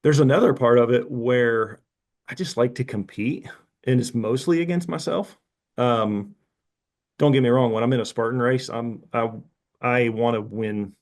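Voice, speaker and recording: A man's voice: medium pitch, moderate pace, darkish tone. A man in his fifties talking frankly and casually as a podcast guest, rambling with restarts and asides. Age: 50s. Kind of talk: casual interview talk.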